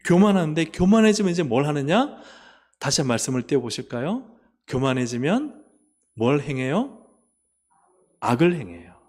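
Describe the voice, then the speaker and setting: A man preaching a sermon as pastor. He asks the congregation questions and answers them himself, and he moves between emphatic rises and quiet, low endings. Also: very animated, normal speed, long pauses. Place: church sanctuary. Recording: long hall reverb.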